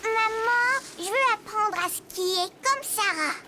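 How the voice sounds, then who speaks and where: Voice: extremely high pitch, slow, noisy background. An actor voicing a curious, timid four-year-old boy in a children's cartoon, with a childlike, plaintive way of talking. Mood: eager.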